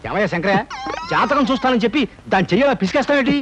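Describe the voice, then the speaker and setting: An actor playing a blunt, irritated husband in film comedy dialogue. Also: male voice, extremely high pitch, lively intonation, very fast, noisy background. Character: suspicious, grumpy middle-aged husband. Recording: dull film soundtrack with music.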